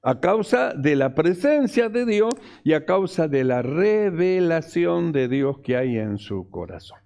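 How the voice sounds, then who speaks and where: A man's voice: a little high, very animated, unhurried, gravelly, darkish tone. A male pastor, preaching a sermon emphatically and repeating his key phrases.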